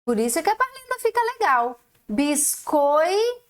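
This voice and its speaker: A woman's voice: sits high, very animated. A woman teacher, giving a recorded lesson to young children and stretching out each syllable as she explains. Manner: slow, drawn-out syllables, explaining. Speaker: primary school teacher.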